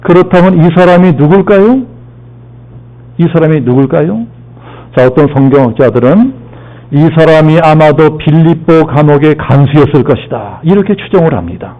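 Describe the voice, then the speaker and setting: A man's voice: fairly high pitch, expressive, moderate pace, lo-fi sound. A male pastor preaching a sermon, repeating key phrases, asking and answering his own questions, and leading the congregation through the reading. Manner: leads congregation in call-and-response and Bible lookup. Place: church sanctuary.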